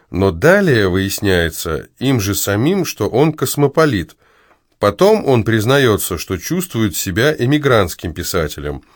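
A man's voice: mid-range voice, no room sound, clean studio sound. A man reading his own essay aloud in an ironic, argumentative way.

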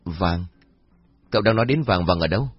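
A man's voice: low voice, expressive, slightly rough, no room sound, highs cut off. A man doing a composed young police officer. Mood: calm. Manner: measured, questioning, businesslike.

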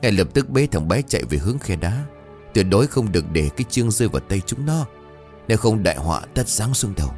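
A man's voice: fairly low pitch, sing-song, fast, a little mellow, soft background music. A man voicing a woman in her fifties, old and fierce, giving urgent hissed orders in a horror story. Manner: urgent hissing whisper, hard commands. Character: frightened old village mother, fierce and bitter.

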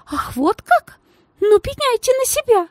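A portly society lady in a storybook, her voice thin and piping, pitched far above the narration and swooping all over as she gushes. Her manner is affected and sugary, with a venomous edge underneath, as a woman narrator puts her on. The sound is close and dry. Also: lively intonation, measured pace, darkish tone, no echo. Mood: furious hissing. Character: stout genteel lady, shrill, saccharine then venomous.

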